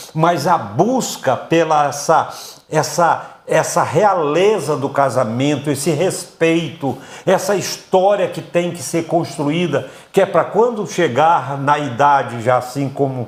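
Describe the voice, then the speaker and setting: Amid noticeable background noise, a man with a fairly high pitch speaks at a very slow pace. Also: ordinary pitch variation. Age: 60s. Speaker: pastor and TV show host.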